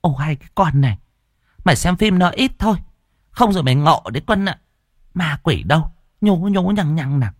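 A man's voice: mid-range voice, lively intonation, normal speed, no echo, clean studio sound, voice pushed up, close to an everyday voice. A man voicing a fretful, scolding middle-aged mother in a spoken horror story. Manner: nagging, sharp-tongued.

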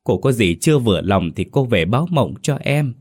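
A man voicing a grieving village wife who wails her lament in a high, loud voice. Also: expressive, normal speed, slightly rough. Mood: wailing grief. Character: wailing grieving middle-aged village wife.

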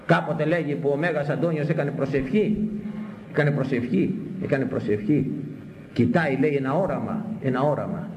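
A man preaching a sermon, repeating words for emphasis and swinging between high exclamations and low, grave phrases. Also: a little mellow. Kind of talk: sermon on a Bible passage. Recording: echoey hall, faint background noise.

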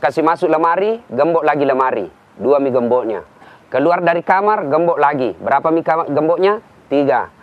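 A man giving a televised Islamic sermon, telling stories with humorous examples. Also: a little high. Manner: lively storytelling preacher, humorous examples. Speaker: Islamic preacher. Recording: dull lo-fi recording.

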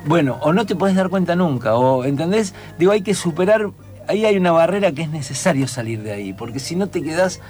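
Animated Rioplatense man, lively pitch. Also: fairly quick, faint music behind. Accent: Rioplatense Spanish. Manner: animated, sings out rhythms to explain. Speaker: writer and teacher. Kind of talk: casual conversation.

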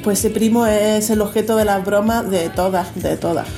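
A woman's voice: medium pitch, moderate pace, over music. A woman host in casual radio chat, talking about a TV series in a chatty way, laughing easily and often restarting her sentences.

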